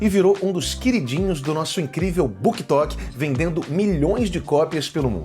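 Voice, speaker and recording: A man's fairly high voice at a moderate pace, with music in the background. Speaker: voice actor. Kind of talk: casual talk to camera.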